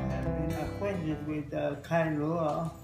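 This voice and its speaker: Clear background music accompanies a man as he talks. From Hawaii. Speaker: war veteran. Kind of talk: interview answer. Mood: warm reminiscing. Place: home room. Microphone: phone near.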